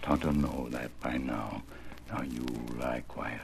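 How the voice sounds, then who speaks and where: An actor playing a loyal, steady Native American scout and healer who talks in clipped, broken English in an old radio western. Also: male voice, rumbling low, takes it slowly, vocal fry, exaggerated voice. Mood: grave, hushed. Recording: noisy old radio recording.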